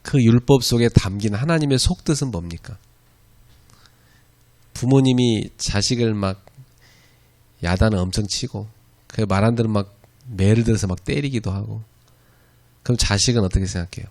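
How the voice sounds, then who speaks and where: A man's voice: lowish voice, moderate pace, long pauses, a little mellow. A man preaching a sermon lecture at a church, speaking conversationally and often checking in with the audience. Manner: conversational, frequent "예" and "그죠?" asides to the audience. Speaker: pastor teaching an evangelism school.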